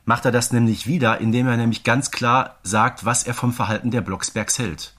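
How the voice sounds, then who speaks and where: A man's voice: medium pitch, fairly even intonation, normal speed, fairly bright tone. A man chatting casually and emphatically as an enthusiastic podcast co-host. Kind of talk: casual chat reviewing an audio drama.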